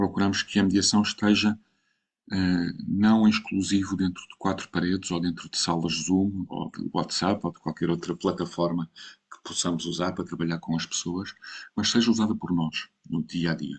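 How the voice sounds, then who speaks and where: A man with a very deep, low pitch, fairly even intonation and a moderate pace, in a dry, close sound with no echo. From Portugal. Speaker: family mediator and university lecturer. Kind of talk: podcast interview. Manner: hesitant, with frequent fillers and restarts.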